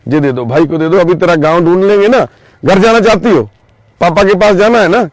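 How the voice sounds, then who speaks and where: Gentle Punjabi man, slightly high voice. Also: fairly quick, dry recording, clean studio sound. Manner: gentle, soothing, coaxing. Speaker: volunteer vlogger helping a lost girl. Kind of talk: on-the-spot vlog narration and coaxing. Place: outdoors at night by a railway crossing.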